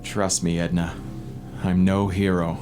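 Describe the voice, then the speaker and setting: A determined drama investigator. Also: male voice, low voice, level tone, unhurried, music in the background. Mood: subdued. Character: determined, self-doubting man investigating a town's dark past. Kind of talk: audio drama acting.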